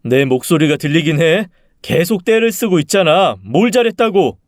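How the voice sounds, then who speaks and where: A man's voice: on the high side, very animated, normal speed, dry recording, studio quality, pitched above the performer's own voice. A man voicing an exasperated young father who scolds in a raised, insistent voice, in a read-aloud story. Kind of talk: story reading with acted dialogue.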